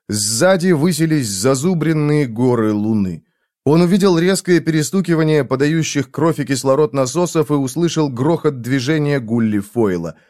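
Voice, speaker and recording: A man's voice: medium pitch, a little mellow. A man giving a dramatic, intense audiobook narration. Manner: theatrical, intense delivery.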